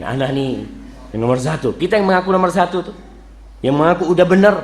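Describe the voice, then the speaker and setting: A man preaching a lively morning sermon in a mosque, mixing jokes with recited Arabic verses. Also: medium pitch. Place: mosque hall. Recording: roomy mosque echo.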